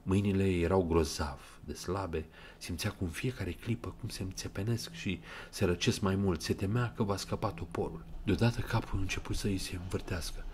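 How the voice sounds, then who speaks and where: A man narrating an audiobook retelling of a novel in an even, measured way, quoting passages. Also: sits low, slight background noise.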